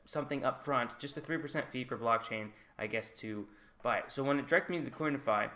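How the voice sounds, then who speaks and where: A native English-speaking vlogger from the US speaks a bit quickly, his medium-pitched voice bright and forceful. He's telling the camera about his own experience in a loose, candid way, leaning on hedges such as "like" and "I guess."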